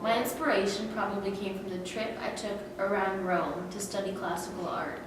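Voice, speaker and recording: A woman's voice: mid-range voice, fairly even intonation, moderate pace, natural voice. Woman as a friendly male Renaissance sculptor, self-assured, distant mic, very echoey hall, noisy background. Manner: plain conversational storytelling, self-assured. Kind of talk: amateur historical skit.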